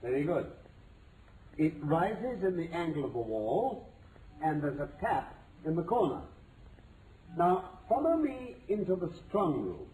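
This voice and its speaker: An actor playing a confident, precise detective with a British accent, lecturing articulately in vintage radio mystery style. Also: male voice, a little high, big pitch swings, measured pace, warm tone. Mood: grave, explanatory. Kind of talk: 1940s-50s radio mystery acting. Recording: noisy old-time radio recording.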